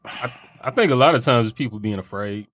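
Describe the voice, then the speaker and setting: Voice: mid-range voice, a little fast, a bit bright, no room sound, clean studio sound. A person in their thirties in a casual group chat, joking with blunt slang. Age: 30s.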